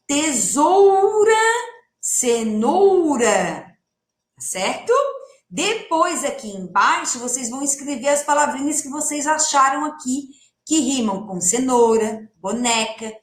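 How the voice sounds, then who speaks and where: A woman teacher with a Brazilian Portuguese accent records a lesson for young children. Her fairly high voice moves a lot as she slowly stretches words and asks question after question. The room has a noticeable echo. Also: fairly bright tone. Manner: slow, drawn-out words, questioning the class. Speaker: primary school teacher.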